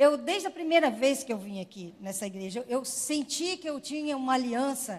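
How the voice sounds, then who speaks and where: Her intonation lively, a woman delivers her words at a moderate pace. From Itaperuna, Rio de Janeiro state, near Minas Gerais border. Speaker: visiting preacher. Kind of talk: sermon. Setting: church.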